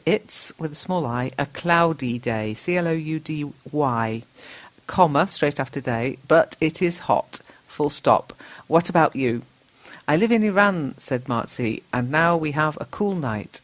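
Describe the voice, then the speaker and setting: A woman works through learners' chat messages. She reads each line aloud and corrects it. She spells the words out letter by letter at a patient teacher's pace. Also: sits low. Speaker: English teacher host.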